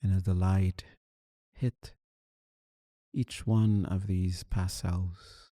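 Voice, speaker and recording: A man leading a guided meditation, calm and soothing, speaking in deliberate short phrases with long pauses. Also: low voice, no room sound, clean studio sound. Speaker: meditation teacher.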